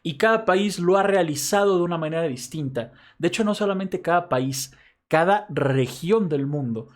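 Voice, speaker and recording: A man with a Mexico City accent lecturing to his class as a university professor. His voice sits a little high for a man, and he explains step by step. He keeps pausing to check in with quick tag questions. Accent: Mexico City Spanish.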